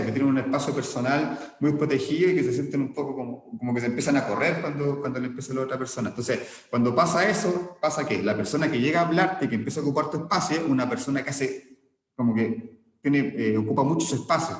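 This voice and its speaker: Man lecturing in an echoey room. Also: medium pitch. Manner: explanatory, frequent "¿ya?" check-ins and restarts. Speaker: teacher. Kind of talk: online class lecture. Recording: echoey room with long reverb.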